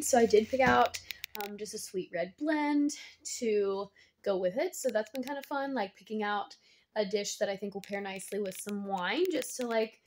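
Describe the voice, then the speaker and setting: A woman's voice: a little high, darkish tone, a little hiss or hum. A woman in her thirties chatting casually through a cooking vlog in her home kitchen, filmed on a phone at arm's length, full of ums and likes. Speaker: home cook vlogger. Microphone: phone held at arm's length.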